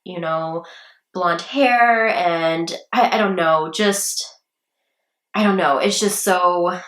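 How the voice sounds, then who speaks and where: A woman's voice: on the low side, takes it slowly, a bit bright. A young woman hosting a true crime podcast, chatting casually with many ums and restarts, her voice a little strained from getting sick. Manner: chatty, rambling, with many ums and self-corrections. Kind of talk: casual chat. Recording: echoey room.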